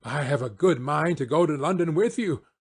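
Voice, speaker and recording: A man voicing a proud, anxious gentleman baronet in an audiobook, formal and a little plaintive. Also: fairly high pitch, lively intonation, normal speed, husky. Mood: hurt, reluctant. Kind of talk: audiobook character acting.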